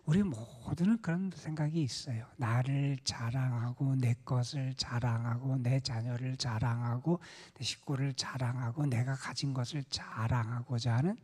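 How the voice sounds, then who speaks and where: A male pastor gives a dawn prayer sermon, his mellow, husky voice often dropping to a near whisper. The sound carries a long reverb from the church sanctuary. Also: medium pitch. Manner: soft-spoken, often half-whispered delivery.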